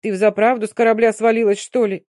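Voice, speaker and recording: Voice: mid-range voice, flat delivery, fast talker, darkish tone, no echo, studio quality, close to an everyday voice. A reader voicing an older gypsy woman who scolds and fusses in a tearful way. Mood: fussing, tearful. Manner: scolding, fussing.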